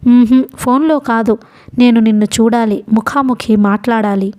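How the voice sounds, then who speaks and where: A woman voicing a timid young woman who speaks hesitantly, in halting bits, in an audiobook. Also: a little high, fairly even intonation, warm tone, no room sound, studio quality, close to an everyday voice. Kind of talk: audiobook character reading.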